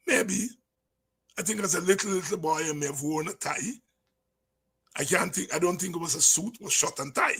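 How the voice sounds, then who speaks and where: A middle-aged Guyanese man speaks in a high, sharp voice with a gravelly edge. He talks informally but with passion, like a seasoned political commentator, hammering his points through repetition. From Guyana, from the countryside. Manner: emphatic, repeats words and phrases, swings from low asides to shouts. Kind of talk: impassioned informal talk with anecdotes.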